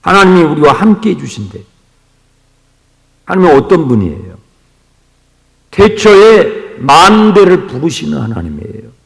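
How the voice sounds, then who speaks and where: A man preaching an early-morning sermon, his fairly high voice rough with gravel. He drops to hushed near-whispers, then rises to loud exclamations, and keeps putting questions to his congregation. The long echo of a church hall trails each phrase. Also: very animated, measured pace, pauses often. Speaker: pastor. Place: church sanctuary.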